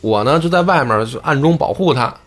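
A man's voice: mid-range voice, expressive, brisk, faint music behind. A man doing a meddling, indignant barber. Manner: indignant, shouting accusations. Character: meddling, self-righteous male barber, loud.

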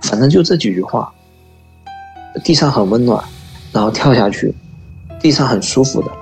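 Gravelly guy telling his ghost story on a call, stops and repeats himself a lot, soft music under it. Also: medium pitch, lively intonation, poor audio. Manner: halting, repeats words, slow and earnest. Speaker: caller.

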